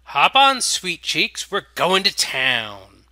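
A man's voice: high voice, wildly swooping pitch, takes it slowly, sharp tone, no room sound, voice pushed up, heavily acted. A man voicing a gaunt, lewd, cheesy vampire biker in a storybook reading, with a leering, exclamatory flirtiness. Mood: flirty.

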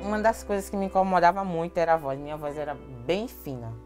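A woman's voice: on the low side, fast, darkish tone, soft background music. A woman giving a plain personal interview testimony as a patient.

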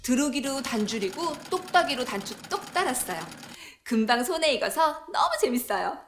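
Woman, somewhat high voice, infomercial customer testimonial, light music behind. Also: big pitch swings, normal speed, a bit bright.

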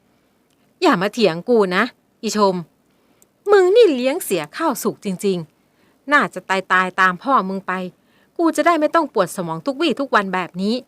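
A woman's voice: medium pitch, big pitch swings, moderate pace, long pauses, no echo, close to an everyday voice. A woman voicing a harsh, drunken middle-aged mother who berates her daughter in coarse words. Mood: contemptuous. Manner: scolding, coarse, contemptuous.

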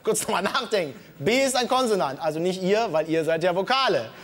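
A man's voice: sits high, animated, brisk, slight background noise. A man hosting a late-night comedy show, explaining the rules with mock earnestness to a live studio audience. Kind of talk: comic studio presentation.

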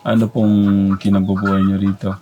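A Filipino man who visits a family as a vlogger, asking gentle questions and humming along in assent. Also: on the low side, brisk, muffled recording, slight background noise. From Philippines. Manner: calm questioning with soft hums of assent. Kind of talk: casual interview. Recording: music under the voice.

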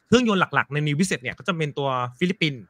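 A man's voice: on the high side, expressive, quick pace, a bit bright, no room sound. A man hosting a casual investment interview, chatty and polite, with a lot of filler particles. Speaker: interview host.

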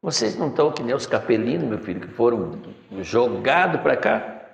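Gravelly man preaching in an echoey hall. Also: medium pitch, sing-song, moderate pace. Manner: preachy, addresses listeners as "my son". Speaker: spiritual teacher. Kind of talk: spiritual lecture. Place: decorated room, seated on a throne-like chair. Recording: echoey room with long reverb.

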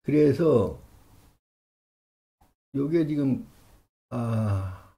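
A man's voice: mid-range voice, animated. A man reading old records aloud and breaking off to argue with them, incredulous and emphatic. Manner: incredulous, argumentative, quick rises to loud emphasis. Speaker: history channel host.

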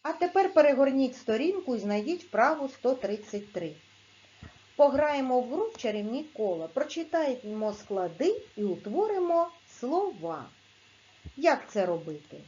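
A woman teaching a video lesson to young pupils, speaking clearly and patiently and sounding out letters and syllables. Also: sits high, sing-song, dark tone, dull audio. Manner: slow, clear, patient dictation-like instruction. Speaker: primary school teacher.

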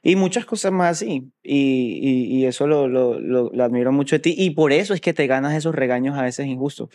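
A man's voice: medium pitch, brisk. A young man, chatting and teasing casually. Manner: joking, teasing, relaxed banter. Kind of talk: casual chat.

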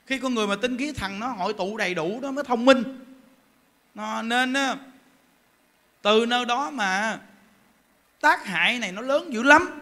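A man preaching a Buddhist sermon, emphatic and animated, full of rhetorical questions. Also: very high voice.

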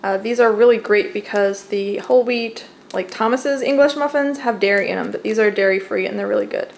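A woman's voice: mid-range voice, fairly quick. A young adult American woman narrating a casual, chatty home vlog from her kitchen, recorded on a camera mic. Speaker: home vlogger showing groceries. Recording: clearly noisy home camera audio.

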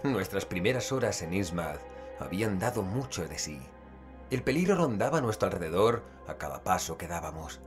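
A man acting a deep-voiced, grave investigator narrator. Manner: measured, grave, literary storytelling. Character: male investigator gravely recounting a cosmic horror expedition. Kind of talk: scripted audio drama narration.

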